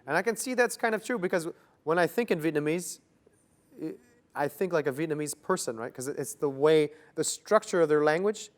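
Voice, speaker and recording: A man's voice: fairly high pitch, a little fast. A young man from Canada giving loose, casual interview answers, full of "like" fillers. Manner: relaxed, loose, many "like" fillers. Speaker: interview guest.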